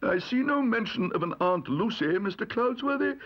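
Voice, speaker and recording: A man voicing a pompous, easily flustered old male judge in a storybook reading, exclaiming in a drawn-out way. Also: high-pitched, animated, slight background noise, voice pushed up. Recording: dull lo-fi audio recording.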